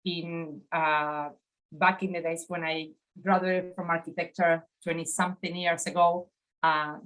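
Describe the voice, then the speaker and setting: A woman's voice: on the low side, fairly bright tone, low-quality recording. A woman in her forties from Argentina with an Argentine Spanish accent, giving a reflective design lecture over slides and often checking in with "right?". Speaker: design educator. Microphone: webcam on video call.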